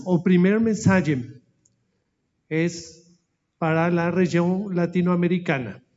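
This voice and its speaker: A man who speaks Portuguese as a second language, with a Spanish accent and Spanish mixed in, gives a formal slide presentation at an anniversary event, pausing often to search for words. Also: a little high, darkish tone. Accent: Spanish-speaking, mixing Spanish into Portuguese. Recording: dull lo-fi audio.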